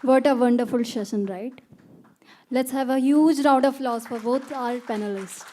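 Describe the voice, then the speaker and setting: A woman's voice: high voice, moderate pace, warm tone, some chatter behind, slight background noise. A woman emceeing a festival session who makes formal announcements. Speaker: event emcee.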